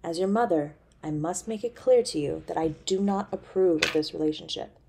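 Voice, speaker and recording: A woman playing a haughty, cold succubus mother in an audio drama, speaking formally and with disdain in a husky, creaky voice. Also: on the low side, a little fast, background noise. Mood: disdainful. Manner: imperious, formal, disdainful of mortals. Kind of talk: audio roleplay drama acting.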